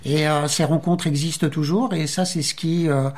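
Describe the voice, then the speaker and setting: A man's voice: fairly high pitch, fairly even intonation, normal speed, darkish tone. A man, an association's treasurer, explaining things earnestly as a radio guest, with many hesitations. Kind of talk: radio interview.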